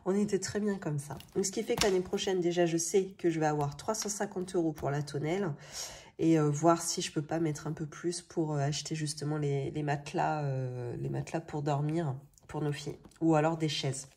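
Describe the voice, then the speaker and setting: A woman in her thirties with a French accent chats casually, thinking aloud in colloquial speech with a slightly rough morning voice. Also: deep voice, steady tone, brisk, mellow. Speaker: budgeting video host. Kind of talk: casual chatty vlog narration. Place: indoors at a table. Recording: noisy home recording with clicks.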